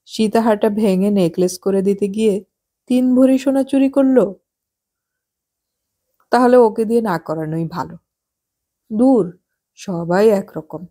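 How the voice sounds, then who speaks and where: A woman voicing a nosy, gossipy well-off married woman in an audiobook, chatty and sharp-tongued. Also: medium pitch, a little slow, long pauses, natural voice. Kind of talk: audiobook character voice.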